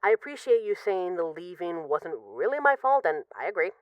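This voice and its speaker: Low, smooth-voiced apologetic female mafia boss played by an actress. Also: sing-song, dry recording, muffled recording. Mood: contrite, tender. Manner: halting, confessional, with pauses and sighs. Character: apologetic, lovesick female mafia boss, guarded but vulnerable. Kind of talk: intimate scripted audio roleplay, one side of a phone call.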